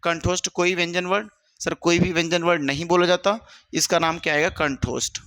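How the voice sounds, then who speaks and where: Male teacher drilling exam students, high bright voice, dry room, asks and answers his own questions. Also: fairly even intonation, fairly quick, dry recording. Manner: addresses students as "my brother". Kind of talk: exam-prep grammar lesson.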